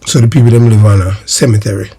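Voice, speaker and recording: A man's voice: fairly low pitch, steady tone, fast talker, warm tone, slightly rough. A Jamaican man delivering emphatic political commentary to his viewers in a declamatory way, repeating phrases for emphasis. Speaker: host of a political history video channel.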